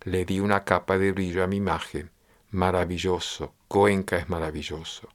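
A man speaking as a meditation teacher, giving a translated discourse in a measured, repetitive, explanatory way. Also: low voice, steady tone.

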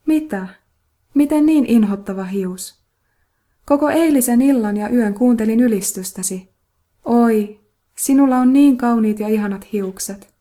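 A woman's voice: fairly high pitch, dark tone, natural voice. A woman reading an indignant scolding wife.

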